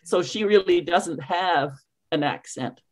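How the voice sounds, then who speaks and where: An older Canadian woman coaching English on a video call, speaking with crisply enunciated words and an emphatic, storytelling manner. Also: lowish voice, slow pace. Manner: warm, emphatic, storytelling, with clearly articulated words. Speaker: ESL coach.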